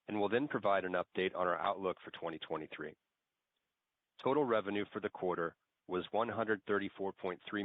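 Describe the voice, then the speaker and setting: Low-voiced man on a tinny phone line. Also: no room sound. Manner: formal, measured reading. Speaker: finance executive. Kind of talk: scripted earnings call presentation.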